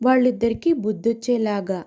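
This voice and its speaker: A woman's voice: a little high, brisk, warm tone, highs cut off, voice pushed down, lightly acted. A woman voicing a grown man, a worried husband who earnestly agrees with his friend, in a cartoon story.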